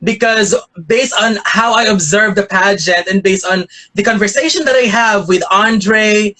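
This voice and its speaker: A man's voice: high voice, measured pace, pushed and bright, poor audio. A man hosting a pageant interview on a video call, enthusiastic and full of thanks and praise. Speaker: host, interviewer.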